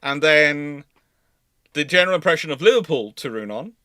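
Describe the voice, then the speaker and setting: A man hosts a casual live chat in a bright, slightly high voice. His delivery shifts between emphatic phrases and mumbled asides, in a very dry, close sound. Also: expressive, moderate pace, no echo. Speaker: live stream host of a naval history channel.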